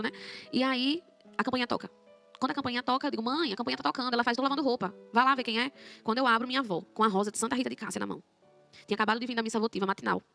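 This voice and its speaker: A young woman telling her conversion testimony in an emotional, animated way, acting out her own quoted words as she talks. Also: a little high, vocal fry. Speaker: guest giving a conversion testimony.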